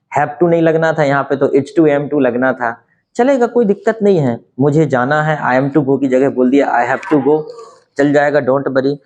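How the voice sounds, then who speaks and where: Hindi-speaking guy teaching english, slightly high voice, lots of "right?" questions. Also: a little mellow, lo-fi sound. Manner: explains slowly with many rhetorical questions. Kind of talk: spoken English lesson.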